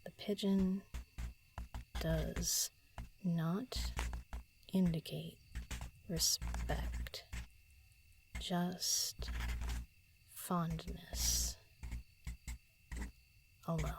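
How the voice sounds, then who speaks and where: Solitary writer, played by a woman, audio drama: lowish voice, very slow, halting, murmured thinking aloud, pensive, often half-whispered. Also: noisy background. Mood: pondering, self-critical. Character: solitary woman writer muttering while composing a poem, pensive.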